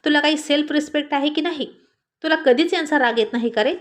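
A woman's voice: high voice, quick pace, voice pushed up, lightly acted. A woman reading the lines of a loyal young male friend who scolds and jokes. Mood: playful. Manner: scolding, playful.

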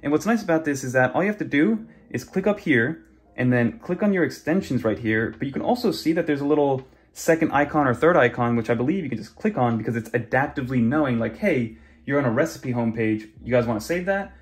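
A young man casually walking through tablet browser features in a chatty, conversational way. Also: mid-range voice. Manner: chatty, conversational, many fillers. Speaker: tech YouTuber. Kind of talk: casual screen walkthrough.

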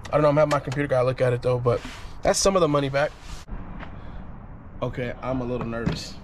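A man in his thirties vlogging outdoors at a storage lot, joking and excited as he digs through bins. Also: mid-range voice, quick pace, slight background noise. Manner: excitable, joking, talks to camera. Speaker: storage unit buyer. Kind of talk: casual vlog while unboxing. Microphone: camera mic, handheld close.

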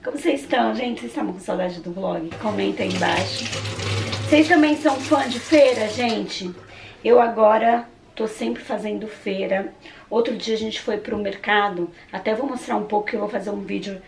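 A young Brazilian woman vlogger with a hoarse, husky voice, chatting casually to her viewers at home. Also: mid-range voice, moderate pace, slight background noise. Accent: Brazilian Portuguese. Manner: chatty, keeps addressing viewers. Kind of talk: casual chat to camera. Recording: roomy, distant camera mic.

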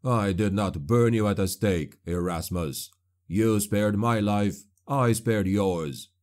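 A man voicing a grim male witch hunter who speaks in a cold, venomous, measured way. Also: fairly low pitch, a little mellow.

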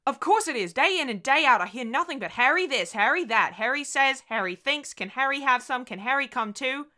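A woman's voice: fairly high pitch, lively intonation, a little fast, pushed and bright, pitched above the performer's own voice. A woman voicing an anxious young mother with fraying nerves in audiobook dialogue, tense and pleading. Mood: frantic, pleading.

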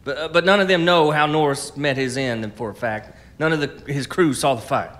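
A man's voice: a little high, a little fast, a bit bright, lightly acted. An actor playing a hunted, stubborn frontier man in a radio drama, stammering, pleading and arguing. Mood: anxious, evasive.

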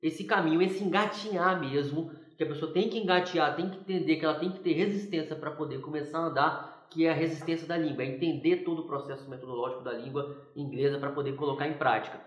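A man's voice: a little high, fairly even intonation, quick pace, hardly any pauses, echoey room, lo-fi sound. A male TV interviewer who chats easily and sums up his guest's points. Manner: chatty, summarizes the guest's points. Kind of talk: interview talk.

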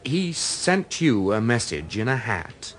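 An actor playing a celebrity's smooth, protective personal assistant in a radio drama, conversational and rather hesitant. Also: male voice, mid-range voice, very animated, takes it slowly. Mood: polite, puzzled.

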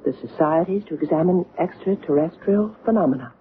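A woman playing a poised young mother in an old radio drama, frank and dry but troubled. Her voice is mid-low for a woman. The sound is muffled, with some hiss. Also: brisk, lightly acted. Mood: confiding, uneasy.

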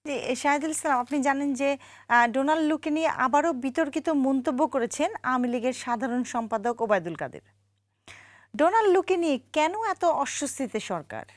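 Female presenter, high voice, formal and polite, dry close studio sound. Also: lively intonation, moderate pace, no room sound. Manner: formal, addresses the guest politely. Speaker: TV news show presenter. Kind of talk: formal interview questions.

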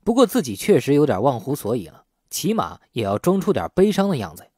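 A male narrator reads a novel aloud as a storyteller. His voice is husky and of medium pitch, with lively, wide-ranging intonation. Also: brisk, dry recording, studio quality. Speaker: audiobook narrator. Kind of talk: scripted audiobook narration of an urban crime novel.

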